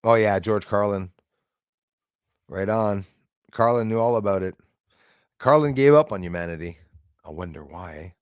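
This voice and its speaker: A man's voice: on the low side, moderate pace, pauses often, smooth, dry recording. A man in his sixties hosting a casual live stream, chatting in a rambling way and thanking viewers by name. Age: 60s.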